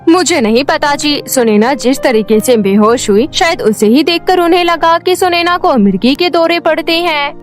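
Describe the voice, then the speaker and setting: A cruel, middle-aged stepmother from a cartoon moral tale, played by a woman. Her voice sits high and turns sugary as she schemes and insinuates. Soft music runs underneath. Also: normal speed, few pauses, natural voice. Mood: feigned innocence. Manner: sugary, insinuating, falsely concerned. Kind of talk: animated moral story voice acting.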